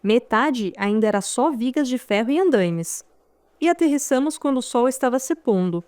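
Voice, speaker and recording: A woman with a Brazilian Portuguese accent narrates a first-person memoir audiobook, her voice sitting a little high. She tells the story conversationally and drops in wry asides to the listener. It is close-miked in a studio with a dry, dead sound. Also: animated, normal speed, darkish tone, no room sound.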